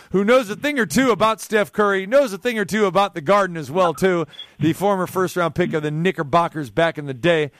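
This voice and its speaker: A man's voice: a little high, no echo. A man hosting a sports radio show, chatting casually and teasing his guest, with many restarts.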